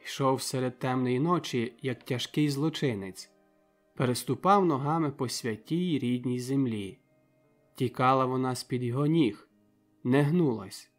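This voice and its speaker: Calm male audiobook narrator. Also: mid-range voice, a little slow, faint music behind. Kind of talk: scripted literary narration.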